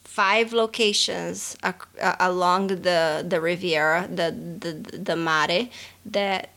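A woman in her thirties from Brazil, with a Brazilian accent, co-hosting a podcast in casual chat. She rambles, restarting sentences and filling pauses with "um". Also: lowish voice, steady tone, fairly bright tone. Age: 30s. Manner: rambling, many restarts and fillers. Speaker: podcast co-host.

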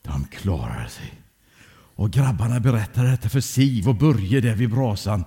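A man telling a children's story aloud in a lively way, speaking directly to young listeners. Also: on the low side, long reverb tail, a little hiss or hum.

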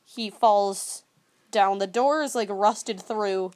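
A woman's voice: mid-range voice, slow, a little mellow. A woman co-hosting a podcast in casual chat, talking with wry, sarcastic asides. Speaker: podcast co-host.

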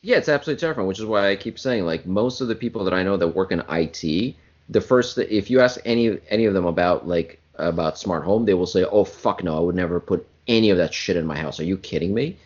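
A man in casual podcast chat, talking in animated, rambling bursts and laughing often. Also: fast talker, muffled recording. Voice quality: self-described squeaky voice. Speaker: podcast co-host.

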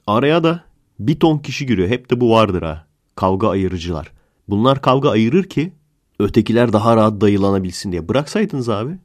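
A man's voice: fairly low pitch, animated, normal speed, darkish tone. A man hosting a casual comedic podcast, telling stories in a sarcastic, joking way. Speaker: podcast host.

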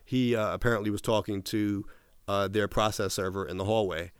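A man's voice: lowish voice, fairly even intonation, fairly quick, smooth, no echo, studio quality. A man being interviewed, retelling a long story in a casual way, restarting often and quoting what others said. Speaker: interview guest.

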